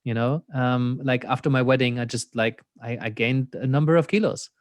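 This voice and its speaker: A German-accented existential coach talks thoughtfully as a guest in a reflective conversational interview, laughing often and leaning on "you know." His mid-range voice has fairly even intonation at normal speed, captured in clean studio sound with no room sound.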